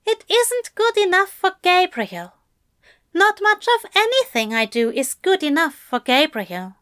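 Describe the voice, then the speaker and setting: A woman's voice: extremely high pitch, very animated, unhurried, fairly bright tone, voice pushed up, exaggerated voice. A woman voicing an anxious, earnest male angel who pours out fretful confessions in a raised voice.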